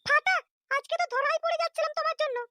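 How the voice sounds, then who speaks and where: A woman voicing a squeaky young girlfriend in a comic cartoon, sweet but anxious and given to scolding. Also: fairly even intonation, racing, sharp tone. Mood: sweet, worried.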